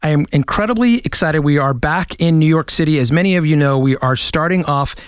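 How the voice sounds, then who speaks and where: A man's voice: a little high, a little fast, clear, resonant tone, no room sound, clean studio sound. A man hosting a marketing podcast, chatting with enthusiasm and frequent restarts. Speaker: podcast host. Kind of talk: podcast interview. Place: New York studio.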